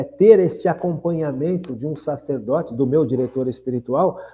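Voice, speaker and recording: With a fairly high, dark-toned voice, this Brazilian Portuguese-accented man in his sixties hosts a spiritual radio talk. He is earnest and reflective, repeating phrases and regularly turning to question his audience.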